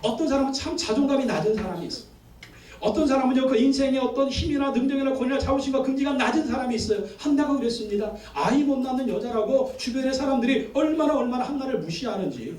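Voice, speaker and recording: High-voiced man preaching in an echoey church. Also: lively intonation, fast talker, a little mellow, far from the mic. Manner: emphatic call-and-response preaching with repeated lists. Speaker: pastor. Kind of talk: sermon. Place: church sanctuary.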